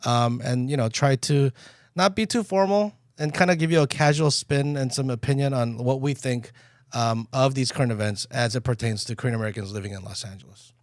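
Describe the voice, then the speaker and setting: A man hosts a laid-back podcast from a small studio, speaking into a boom-arm mic. His voice sits at an ordinary middle pitch, and the sound is close and dry. He talks loosely, circling back with fillers and restarts. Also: brisk, dry recording. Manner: relaxed, filler-heavy, self-correcting. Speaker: podcast host. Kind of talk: casual podcast chat. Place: small studio room set up by the group.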